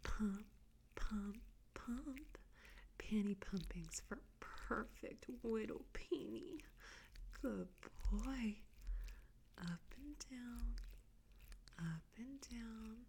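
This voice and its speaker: A woman whispering close to the mic in a soft, coaxing, teasing audio roleplay. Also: on the high side, lively intonation, drawn-out words, gravelly, pauses often, slight background noise.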